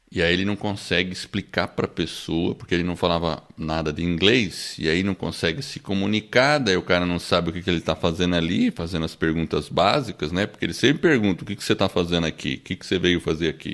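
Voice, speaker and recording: A man with a very deep, low pitch talks at a fairly quick pace with hardly any pauses. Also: ordinary pitch variation. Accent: São Paulo. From São Paulo, Brazil. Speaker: podcast host. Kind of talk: casual podcast discussion.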